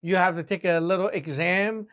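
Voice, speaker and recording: A Taoist master from Hong Kong talks in casual explainer fashion, with a clear Hong Kong accent and a Cantonese speaker's English. The delivery is loose and conversational, often checking in with the listener mid-thought. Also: medium pitch, fairly even intonation, moderate pace, fairly bright tone, highs cut off. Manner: chatty and loose, often asks "right?".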